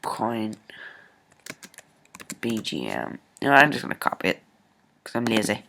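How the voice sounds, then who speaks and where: A man hosting a casual coding screencast, thinking aloud informally and haltingly as he works at his computer. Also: lowish voice, very animated, creaky, background noise. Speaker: programming tutorial host. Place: indoors at a computer, screen recording.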